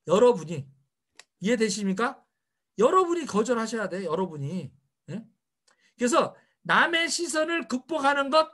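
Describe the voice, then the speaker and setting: A middle-aged man with a very high-pitched, fairly bright voice gives a motivational seminar lecture, firing rhetorical questions at his audience.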